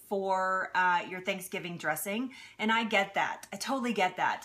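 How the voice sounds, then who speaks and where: The woman's tone is bright and sharp, and she keeps a moderate speed. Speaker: cooking show host. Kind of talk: casual livestream cooking chat. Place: kitchen. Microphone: phone near.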